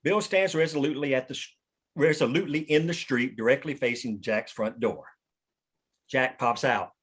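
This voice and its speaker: A man's voice: mid-range voice, normal speed, fairly bright tone, slightly rough. A man narrating stage directions at a script table read.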